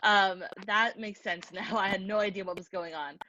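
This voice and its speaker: A woman's voice: medium pitch, steady tone, normal speed, background noise. A woman co-hosting a podcast in casual chat, giggly and chatty. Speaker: podcast co-host. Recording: dull, dry lo-fi sound.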